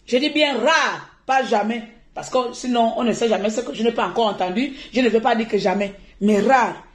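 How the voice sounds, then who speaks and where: Woman streamer, high-ish voice, animated and indignant, roomy echo. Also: fairly quick. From Gabon. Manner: animated, laughing often, turning forceful and indignant. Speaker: activist live-streamer. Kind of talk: live stream commentary.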